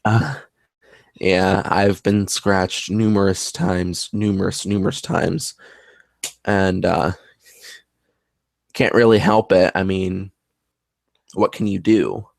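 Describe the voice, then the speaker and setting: A man's voice: low voice, steady tone, slow, vocal fry, pauses often, no echo, clean studio sound. A man who works as a paranormal investigator, talking in casual conversation in an earnest, rambling way.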